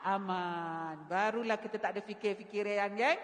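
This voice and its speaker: Animated woman teacher in an echoing hall. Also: on the high side, normal speed. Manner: animated storytelling, mimics sounds. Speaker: religious teacher. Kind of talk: women's religious lecture. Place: mosque hall. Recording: reverberant mosque hall.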